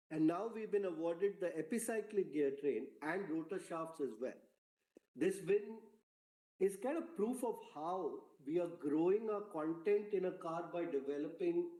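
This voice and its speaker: A man with a fairly high, mellow voice delivers a prepared corporate presentation in a roomy, echoing space. His tone is soft-edged and relaxed, and his delivery is measured and formal, like an executive briefing investors on a conference call. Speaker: company executive.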